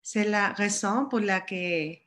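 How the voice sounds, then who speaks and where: Mexican woman, native Spanish speaker, Mexican Spanish accent, slow and halting, academic speaker on a video call. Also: medium pitch, fairly bright tone. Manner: careful, halting, searching for words. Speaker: guest speaker, doctoral researcher. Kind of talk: academic presentation. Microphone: online video call.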